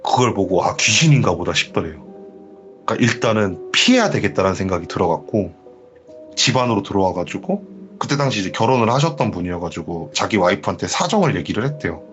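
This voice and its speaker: Lively man retelling a ghost story. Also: low-pitched, fast, highs cut off, faint music behind. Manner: animated storytelling, acting out quoted lines. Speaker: horror story radio host.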